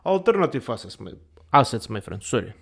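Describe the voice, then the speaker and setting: A man's voice: medium pitch, big pitch swings, a little fast, gravelly, a bit bright, husky. A man hosting a comedic finance show, playful and exaggerated, repeating "my friends" again and again. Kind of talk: comedic character monologue.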